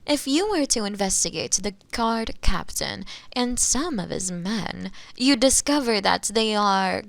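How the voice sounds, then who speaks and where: A woman's voice: medium pitch, lively intonation, unhurried, gravelly, dry recording. A woman voicing a sly, seductive witch captor in a roleplay audio drama, teasing and condescendingly sweet, often slipping into whispers. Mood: sly, contemptuous. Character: sly, seductive female witch captor, possessive and self-assured.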